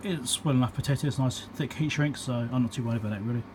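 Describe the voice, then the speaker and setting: A man's voice: mid-range voice, quick pace. Casual New Zealand man, faint background hum. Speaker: electronics repairer presenting his work. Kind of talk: casual unscripted repair walkthrough. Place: indoor workbench.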